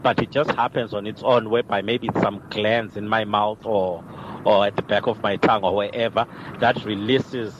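A man's voice: lowish voice, steady tone, moderate pace. A man leaves a hesitant voice message, with lots of uh and restarts, played on air as a listener question. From Lombardy, Italy. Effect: recorded voice message played on air. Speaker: listener calling in. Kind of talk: casual voice message. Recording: muffled lo-fi voice note with street traffic.

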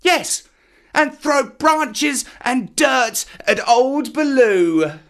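A man voicing a small, defiant, boastful jungle boy in a storybook, with an excitable childlike delivery. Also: measured pace, full character voice. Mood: gleeful, shouting. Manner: high, exclamatory, childlike delivery.

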